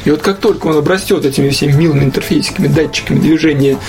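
A man's voice: fairly high pitch, racing, a little mellow, soft background music. A man talking casually about tech in a colloquial, slangy and opinionated way, as a guest in a conversation.

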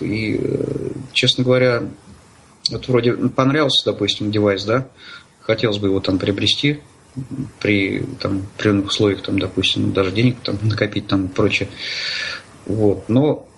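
A man giving conversational interview answers in a halting, hesitant way, often searching for words. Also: lowish voice, steady tone, creaky, a bit bright, slight background noise, rough recording. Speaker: interview guest, blind user of assistive technology.

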